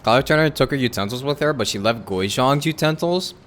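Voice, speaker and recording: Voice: mid-range voice, lively intonation, fairly quick. A game streamer giving informal, jokey live reaction commentary. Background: game music.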